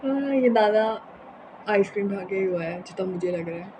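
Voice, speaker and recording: Young woman w a hoarse sore throat just yapping to her vlog at home, drops english words in, pretty noisy audio. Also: mid-range voice, lively intonation, normal speed. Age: young adult. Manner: unscripted, mixes English words into Hindi. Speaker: vlogger. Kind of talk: casual rambling vlog chat. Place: indoors in a room at home.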